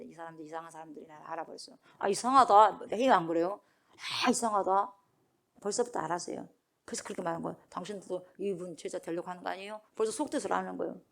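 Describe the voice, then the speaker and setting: A woman's voice: mid-range voice, creaky. A middle-aged woman pastor giving an early-morning prayer sermon, emphatic, repeating key words and putting questions to the congregation.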